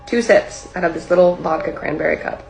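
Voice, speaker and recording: A woman's voice: fairly low pitch, fairly quick, vocal fry, darkish tone, faint music behind, low-quality recording. A young woman casually telling a personal story, rambling with lots of "like" fillers. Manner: rambling, heavy use of "like" fillers. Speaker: storyteller recounting a personal experience. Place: livestream or video setup.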